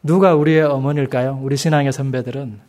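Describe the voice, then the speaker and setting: A middle-aged man preaching a sermon in a church, speaking slowly and emphatically and asking the congregation rhetorical questions. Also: mid-range voice, steady tone, darkish tone. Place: church sanctuary.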